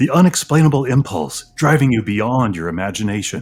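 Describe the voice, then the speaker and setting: Very wide pitch swings and vocal fry at a moderate pace. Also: man. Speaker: voiceover student. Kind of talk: reading aloud. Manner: energetic.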